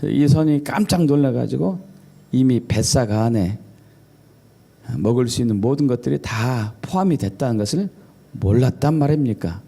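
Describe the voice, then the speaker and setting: A man's voice: medium pitch, animated, normal speed, vocal fry, mellow, slightly rough. A male pastor giving a Sunday sermon in a jokey storytelling way, mimicking regional dialects. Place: church service.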